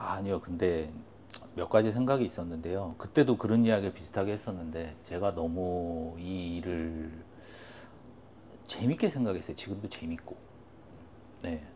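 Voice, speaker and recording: The man's voice is very deep and low in pitch, with a dark, mellow tone and ordinary pitch variation. He leaves long, frequent pauses. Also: moderate pace. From South Korea, Changwon. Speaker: full-time stock trader. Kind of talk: interview. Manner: halting.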